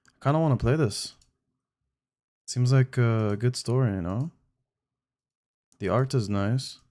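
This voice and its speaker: A man's voice: medium pitch, dark tone. A man who grew up in the United Arab Emirates, streaming games and chatting in a friendly, casual way with his viewers. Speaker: game streamer. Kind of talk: casual live-stream chat.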